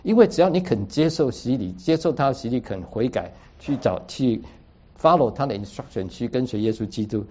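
Here a preacher with a mid-range, warm voice talks a little fast and with plenty of expression, working through a Bible passage in an explanatory way. English words pop up throughout his sermon, and the recording is dull and lo-fi.

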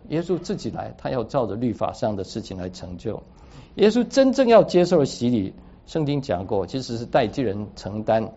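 A man's voice: mid-range voice, dark tone, breathy edge. A man preaching a sermon, teaching through a Bible passage in an explanatory way and dropping English words into his speech. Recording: dull lo-fi recording.

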